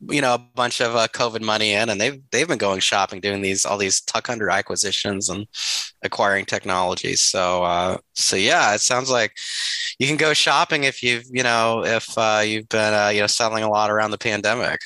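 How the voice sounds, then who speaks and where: A man's voice: on the low side, steady tone, normal speed, sharp tone, no room sound, low-quality recording. A man co-hosting a podcast, running down news items with lots of fillers. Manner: heavy fillers, lots of "you know". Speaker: podcast co-host. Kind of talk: casual news rundown.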